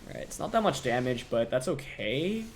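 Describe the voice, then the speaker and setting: A man's voice: medium pitch, very animated, moderate pace. A young man commentating his own competitive video game battle, thinking aloud and second-guessing his plays. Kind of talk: live gameplay commentary.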